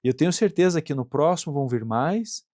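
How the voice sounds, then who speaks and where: A man's voice: fairly high pitch, lively intonation, fairly quick, dark tone, dry recording, studio quality. A middle-aged Brazilian man, an industrial plant manager, answering interview questions earnestly and thinking aloud, often checking in with tag questions and repeating words. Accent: Brazilian Portuguese.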